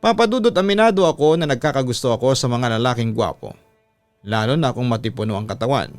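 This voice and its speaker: A man's voice: mid-range voice, quick pace, no room sound, soft background music. A man reading a listener's personal letter aloud as a scripted, storytelling radio-style narration.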